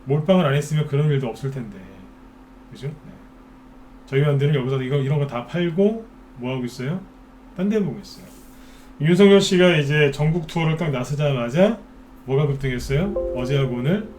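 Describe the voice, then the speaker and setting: Man giving fast-talking stock commentary. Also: on the high side, a little mellow, slight background noise. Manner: rhetorical questions, mimics worried investors. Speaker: stock market expert host. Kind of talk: casual stock commentary broadcast.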